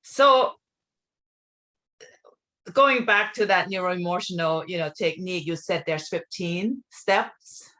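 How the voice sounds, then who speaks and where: A woman's voice: on the low side, slow pace, long pauses, sharp tone, low-quality recording. Enthusiastic woman hosting an interview. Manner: enthusiastic and wondering; frequent "you know" fillers. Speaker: interview host. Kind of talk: casual interview chat.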